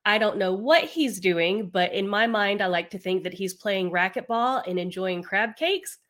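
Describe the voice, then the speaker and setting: A woman hosts a casual podcast interview. She sounds upbeat and enthusiastic, keeping the conversation moving with friendly questions. Her voice sits at a middling pitch. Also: normal speed, fairly bright tone. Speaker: podcast host.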